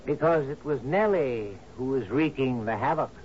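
An actor playing a loyal, remorseful friend to a sea captain in a 1970s radio drama, earnest and given to dramatic pauses. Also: male voice, medium pitch, expressive, a crowd in the background, lightly acted. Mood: defensive, regretful. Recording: dull noisy vintage radio broadcast.

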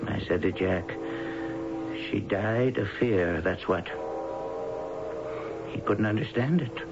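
An actor playing a haunted, bitter man in a radio drama, speaking gravely and heavily. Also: on the low side, slow. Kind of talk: 1970s radio drama acting. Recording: muffled old radio, loud music behind.

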